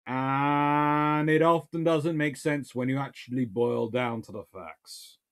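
A man's voice: mid-range voice, slow pace, a bit bright. A British man in his thirties, talking casually about history and politics in a small study, rambling with many restarts. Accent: British English. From United Kingdom. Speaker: naval historian answering viewer questions. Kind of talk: casual explanatory talk. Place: small study lined with bookshelves, indoors. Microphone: webcam-style framing at desk.

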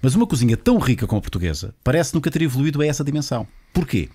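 A man's voice: medium pitch, sing-song, rapid-fire, dark tone, husky. A man in his forties hosting a podcast, chatting in a chummy, slangy way in a studio on a headset mic. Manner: chummy, slangy, calls the guest "mano". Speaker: podcast host. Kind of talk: casual podcast conversation. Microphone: studio mic with headphones.

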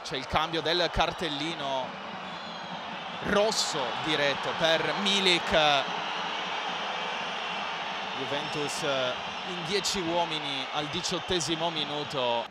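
A man's voice: a little high, slow, pauses often. A man with an Italian accent giving live football match commentary. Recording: commentary over stadium noise.

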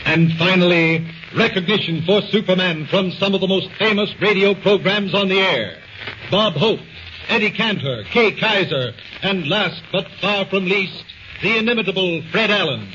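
High-pitched American radio announcer man. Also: animated, normal speed, pushed and bright, a little hiss or hum. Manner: declamatory, emphatic. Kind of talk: scripted 1940s promotional radio narration. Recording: muffled 1940s radio recording. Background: music.

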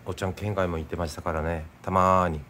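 A man's voice: low-pitched, level tone, fast talker, pushed and bright, a little hiss or hum. A middle-aged man with a Nagasaki accent, chatting easily at home as he eats and drinks, and stopping to explain local words. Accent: Nagasaki dialect. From Nagasaki, Japan. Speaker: home food vlogger. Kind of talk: casual chat while eating and drinking.

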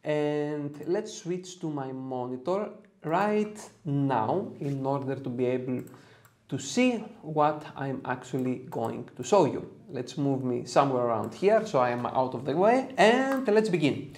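Expressive and a little slow, this man's medium-pitched, darkish voice guides viewers through photo editing software. He's in his thirties with a Greek accent, working from a red-lit small home studio, keeping things cheerful and chatty with self-deprecating humor and offhand remarks.

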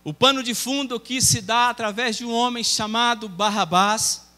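A man's voice: very high-pitched, steady tone, normal speed, bright, forceful tone, big-room sound. A male evangelist with a Brazilian Portuguese accent, preaching a sermon in a church and telling a story with acted dialogue. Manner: storytelling, voicing dialogue within the tale. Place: church sanctuary.

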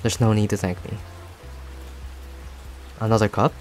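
A man playing a friendly, talkative cafe owner in a roleplay audio, speaking to the listener in a chatty, rambling, gently attentive way. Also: on the low side, level tone, a little slow, close to an everyday voice. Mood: reflective, friendly. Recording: soft music and rain behind. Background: music and rain sounds.

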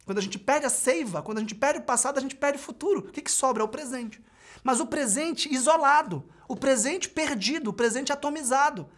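Emphatic Brazilian man lecturing, high-pitched for a man. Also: a bit bright. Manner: emphatic, builds points in repeated lists. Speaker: professor giving an open class. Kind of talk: lecture to camera. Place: wood-panelled study with bookshelves, seated at desk.

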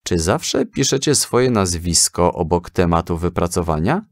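A thoughtful father from a children's audio story, played by a man, gently teaching his son. His low voice is measured and kindly. The sound is dry and close. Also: lively intonation, no echo. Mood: hesitant, gentle. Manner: hesitant, measured, kindly instructive.

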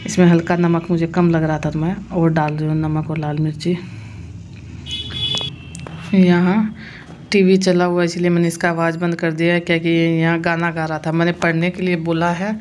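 With a lowish voice and a darkish tone, an Indian woman in her thirties talks through her family's daily routine as a vlogger and mother. She chats casually, explaining each clip step by step, with a little hiss or hum in the background.

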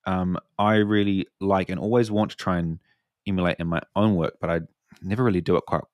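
A man hosting a podcast, casual and relaxed, who rambles and hesitates as he steers toward his next question. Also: low-pitched, brisk, no room sound. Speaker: podcast host.

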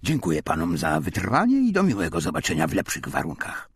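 A man plays a composed, commanding diplomat in a war audiobook. He speaks with formal courtesy and authority, husky and gravelly, with lively intonation. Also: low voice, fairly quick, dry recording, studio quality, heavily acted. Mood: formal, courteous.

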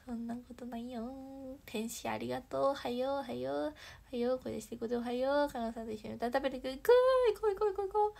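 A young woman chatting on a livestream, reading viewer comments and thanking fans, bubbly and chatty with soft whispery asides. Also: a little high, fairly even intonation, quick pace, vocal fry, hardly any pauses. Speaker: idol livestreamer.

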